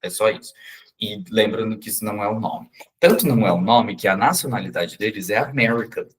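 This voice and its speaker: Husky-voiced Brazilian man teaching. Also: fairly low pitch. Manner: chatty, with frequent "tá?" and "né?" check-ins, slowly spelling out English words. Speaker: English teacher. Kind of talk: casual explanatory lesson.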